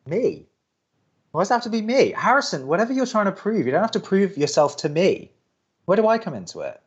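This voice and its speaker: An actor playing a wry, hesitant young college radio co-host who doubts everything, in an audio drama. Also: male voice, sits high, sing-song, fairly quick, slightly rough, lo-fi sound, exaggerated voice. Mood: flustered protest. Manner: hesitant, dry, sardonic. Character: Drew, wry reluctant skeptic male college radio co-host. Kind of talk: naturalistic audio drama acting.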